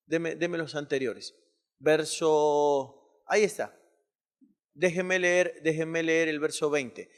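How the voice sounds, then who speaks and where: A man preaching a sermon, calling on the congregation to repeat his words and reading scripture quickly. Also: on the high side, steady tone. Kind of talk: call-and-response sermon.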